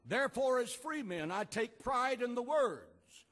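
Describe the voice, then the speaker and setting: A man's voice: very high voice, very animated, long reverb tail. An older man, a pastor, delivering an emphatic speech at an outdoor rally, building through repeated refrains. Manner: slow, emphatic, repeated refrains, rising to shouts. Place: outdoor rally at an ancient port.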